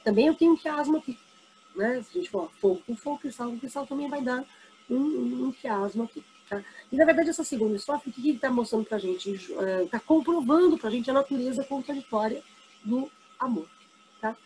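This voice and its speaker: A woman's voice: sits high, animated, a little mellow, slight background noise, poor audio. A woman teacher with a Brazilian accent, explaining poems in an exam review and checking in with her students. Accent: Brazilian Portuguese. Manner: explanatory, checks in often with tag questions; reads poetry aloud slowly.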